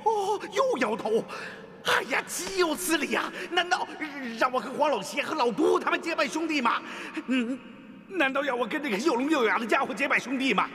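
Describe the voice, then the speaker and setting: A mischievous old martial-arts master with a high, bouncing voice that leaps all over the place. He whines and teases like a child, full of exclamations. Long reverb hangs on his lines. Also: animated, fairly quick. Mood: tantrum. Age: older. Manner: whiny, teasing, many "aiya" exclamations. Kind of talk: costume drama acting.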